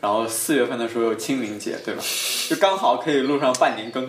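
A man talks at a fairly quick pace, with audible room echo and noticeable background noise around him. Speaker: student podcast co-host. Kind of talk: casual chat.

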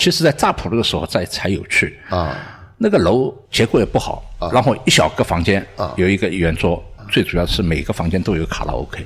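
A man with a very deep, low pitch speaks with lively intonation at a fairly quick pace. Noticeable background noise can be heard. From Shanghai, China. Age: 60s. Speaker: artist and photographer. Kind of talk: casual interview chat.

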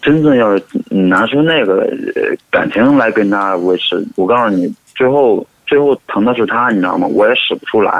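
At a moderate pace, a man uses a normal speaking voice with medium pitch and ordinary pitch variation. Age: 20s. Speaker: camera operator. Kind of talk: casual chat. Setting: phone call.

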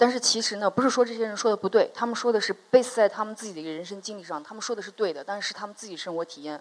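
A woman speaks very fast at a medium pitch with ordinary pitch variation, in a very clean recording with a silent background. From northwest China, raised in several cities. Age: 30s. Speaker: public speaker. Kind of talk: motivational talk. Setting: stage with audience.

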